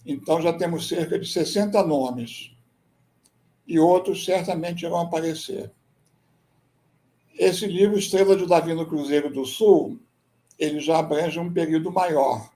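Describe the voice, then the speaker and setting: A Brazilian man, a military history researcher and writer, giving a measured, explanatory slide presentation and often tagging his sentences with a questioning "né?". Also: a little high, mellow. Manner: measured, explanatory, with frequent "né?" tags.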